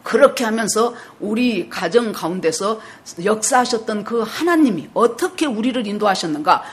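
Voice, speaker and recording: A woman's voice: a little high, animated, normal speed. A woman pastor in her sixties preaching in a storytelling way, acting out dialogue and repeating words for emphasis. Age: 60s. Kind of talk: storytelling sermon.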